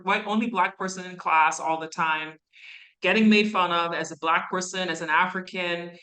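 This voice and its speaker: A woman who grew up in Canada speaks as a guest in a university classroom, answering students' questions. Her voice sits a little low but sounds bright and forward. She talks conversationally, wandering into asides and fillers. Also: low-quality recording.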